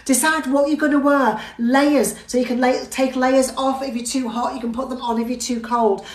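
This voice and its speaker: Upbeat high-voiced British woman teaching live. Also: steady tone, normal speed, roomy sound, rough recording. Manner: upbeat, talks straight to viewers, reads out comments. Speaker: driving instructor and theory test teacher. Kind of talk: live-streamed lesson, chatty and encouraging.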